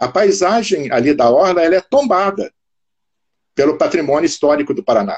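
A man talks with very wide pitch swings. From Brazil, Minas Gerais and Rio de Janeiro. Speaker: marine science professor. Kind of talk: live radio interview.

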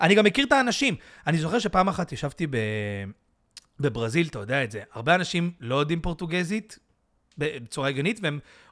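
Very wide pitch swings come from a man with a fairly high pitch who talks at a fairly quick pace with long, frequent pauses on a very clean recording with a silent background. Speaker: podcast host. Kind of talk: casual chat.

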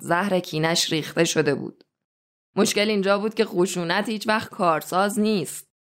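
A woman's dramatic tone, with ordinary pitch variation and a moderate pace. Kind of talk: dramatic narration of book excerpt. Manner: theatrical, intense, impassioned delivery of a rousing speech; storytelling pace with dramatic emphasis.

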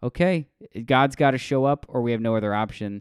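A man with an American accent rattles along at a very fast pace and medium pitch, with ordinary pitch variation, in a very clean, dry, close recording with no echo and a silent background. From USA. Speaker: podcast host. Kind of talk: casual interview.

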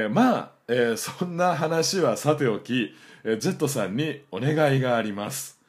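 A man with vocal fry talks at a fairly slow pace, his pitch swinging very widely. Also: very clean recording, silent background. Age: 40s. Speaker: podcast host. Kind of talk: casual solo monologue. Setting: home recording.

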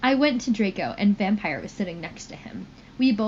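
The reading is plain and aloud, and the pitch varies in an ordinary way.

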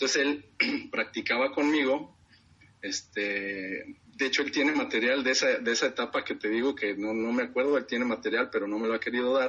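A man with a Mexican accent talks at a fairly quick pace. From Aguascalientes, Mexico. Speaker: photographer. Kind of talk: casual interview.

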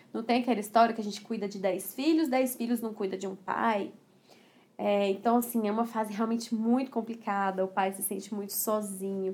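At a fairly quick pace, a woman with a Goiás accent speaks in a fairly high pitch with fairly even intonation. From Goiás, Brazil. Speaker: family doctor, podcast co-host. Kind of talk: educational podcast talk.

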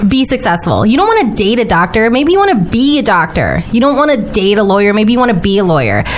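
Over noticeable background noise, a woman with a fairly high pitch talks very fast with hardly any pauses, her loudness very even and her intonation lively. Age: 20s. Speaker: podcast co-host, dating advice. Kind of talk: casual chat. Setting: studio.

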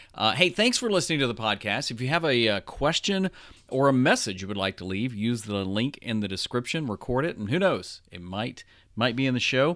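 With a Southern US accent, a man talks at a fairly quick pace and with lively intonation. The recording is very clean, with a silent background. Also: medium pitch for a man. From Nashville, Tennessee. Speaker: podcast host, former radio and TV presenter. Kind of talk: casual interview chat; scripted podcast outro.

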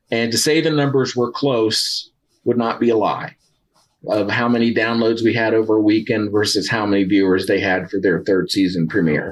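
An unremarkable speaking voice from a man, medium in pitch with ordinary pitch variation. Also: moderate pace, very even loudness. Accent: American. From US Midwest. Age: 50s. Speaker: TV producer and director. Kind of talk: casual chat.

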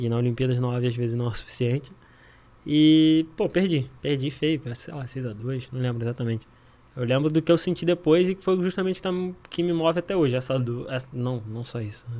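A man speaks at a medium pitch in a dark, mellow, relaxed tone. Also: ordinary pitch variation, moderate pace. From Maricá, Rio de Janeiro state, Brazil. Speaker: archery athlete. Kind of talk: casual interview chat. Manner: relaxed, easygoing.

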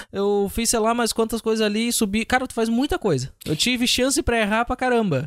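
This man's pitch is extremely high, with ordinary pitch variation. He talks at a fairly quick pace with hardly any pauses. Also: very even loudness. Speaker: podcast host. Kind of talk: casual chat.

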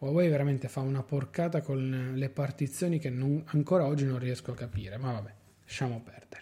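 A man talks at a fairly quick pace in a medium-pitched, dark, mellow voice that is somewhat breathy, with ordinary pitch variation. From Italy, Turin. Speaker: tech podcast host. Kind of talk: solo tech review monologue. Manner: hesitant, frequent repetitions.

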